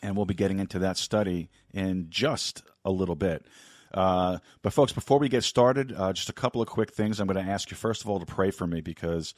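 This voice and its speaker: Hoarse low-voiced New man. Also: brisk, no room sound, clean studio sound, faint music behind. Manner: folksy, rambling, frequent "uh" and "folks". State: slightly hoarse, scratchy voice. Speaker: podcast host and Bible teacher. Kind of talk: casual live podcast talk.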